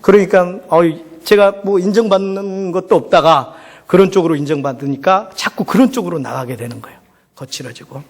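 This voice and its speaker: A middle-aged man, a pastor, giving a sermon as personal storytelling in a conversational way, often putting rhetorical questions. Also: a little high. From South Korea. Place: large church hall. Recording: reverberant hall sound.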